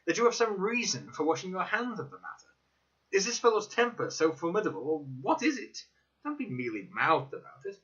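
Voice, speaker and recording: A man voicing an inquisitive, reserved gentleman doctor with a formal, questioning manner in a dramatic audiobook reading. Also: high voice, huge pitch swings, brisk, pitched above the performer's own voice, full character voice. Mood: suspicious. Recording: dull lo-fi recording.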